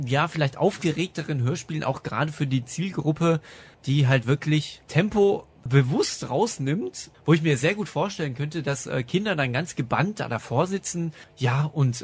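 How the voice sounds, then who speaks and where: Husky, higher-pitched man, chatty podcast host. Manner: enthusiastic, laughs often while talking. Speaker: podcast host reviewing audio dramas. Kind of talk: casual chatty review.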